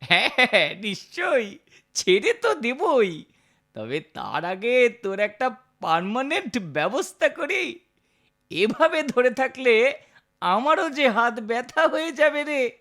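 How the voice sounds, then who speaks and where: A man's voice: extremely high pitch, sing-song, takes it slowly, pushed and bright, exaggerated voice. A man voicing a sly, boastful teenage boy prankster in a cartoon, with a smug, mock-sweet, taunting way of talking. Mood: gloating, mocking. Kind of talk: Bengali cartoon character dialogue.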